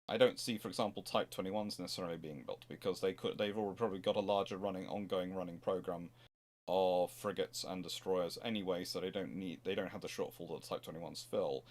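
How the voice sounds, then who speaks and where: A man with a fairly low voice explains things as a live host fielding questions. He talks in a rambling, unscripted way, often halting and reworking a sentence as he thinks it through. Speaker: host answering audience questions.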